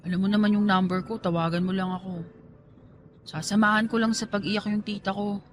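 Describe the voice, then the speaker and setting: A woman's voice: medium pitch, steady tone, a little fast, slight background noise, lightly acted. A woman playing a loyal young niece who pleads earnestly in a radio romance drama. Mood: gently pleading. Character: pleading, loyal young niece defending her heartbroken aunt.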